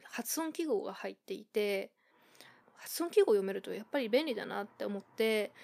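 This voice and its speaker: A woman from Japan hosting a casual solo podcast, thinking aloud and filling pauses with frequent fillers. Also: mid-range voice, creaky, a little mellow. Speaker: podcast host.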